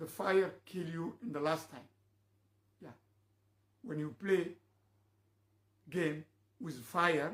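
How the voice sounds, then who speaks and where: A man with a non-native accent speaks high for a male voice, with ordinary pitch variation and big swings in loudness. His pace is very slow, broken by long, frequent pauses. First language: Somali. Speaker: traditional clan leader and political commentator. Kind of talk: political speech. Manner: emphatic, urgent.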